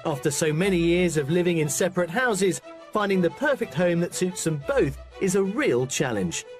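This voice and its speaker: A man's voice: sits high, lively intonation, normal speed, soft background music. A man presenting a TV property show, delivering scripted narration in an upbeat way.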